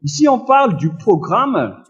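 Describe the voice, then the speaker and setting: A man preaching a fervent sermon in a loud, forceful, admonishing manner, reading and explaining scripture. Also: sits high, very animated, unhurried, lo-fi sound. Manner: accusatory, admonishing.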